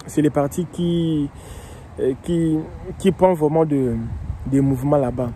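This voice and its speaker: A man talks through immigration questions, with a very dark, mellow tone on a slightly raised pitch. He goes slowly, repeating himself and pausing on fillers. Faint city traffic hums behind him outdoors. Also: fairly even intonation, rough recording. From Democratic Republic of the Congo. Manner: slow and repetitive, with frequent hesitations and restarts. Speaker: immigration vlogger and coach. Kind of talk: casual explanatory monologue.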